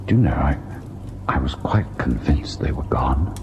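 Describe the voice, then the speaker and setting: An actor playing a haunted husband who tells and relives a ghost story in a grave, deliberate radio drama style. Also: male voice, extremely low pitch, lively intonation, muffled recording. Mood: shaken, defensive. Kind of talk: old-time radio ghost story acting, narrating and in scene. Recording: noisy old radio drama recording.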